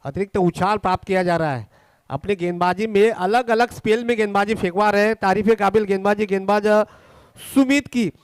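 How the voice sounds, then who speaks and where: An Indian man giving excited live ball-by-ball cricket commentary, often repeating the score. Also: high voice, a little fast, smooth, no room sound.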